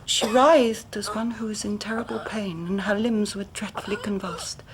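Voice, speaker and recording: An actress playing a young woman who earnestly recounts a tragedy to a detective, often dropping to a hush. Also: medium pitch, fairly even intonation, normal speed, noisy background, natural voice. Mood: grave. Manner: earnest, dramatic storytelling with hushed passages. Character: young woman recounting her sister's death. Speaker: client telling her story. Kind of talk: radio drama acting.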